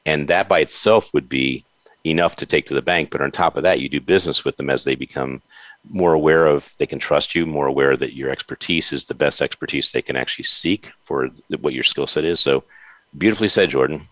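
A man's voice: rumbling low, brisk, fairly bright tone, no room sound. A man hosting an interview show, speaking in an effusive, motivational way. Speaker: podcast host. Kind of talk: casual interview chat.

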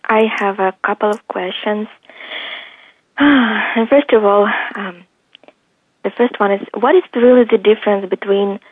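A woman's voice: medium pitch, a little slow, pauses often, husky, dry recording. A woman calling in to a talk show, asking questions hesitantly. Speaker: caller. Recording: phone line.

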